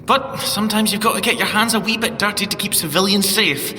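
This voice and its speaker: A man's voice: sits high, fairly quick, pushed and bright, in a large hall, slight background noise. An actor with a Scottish accent playing a playful, teasing scientist agent in an audio drama, theatrical in his delivery. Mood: chatty, earnest.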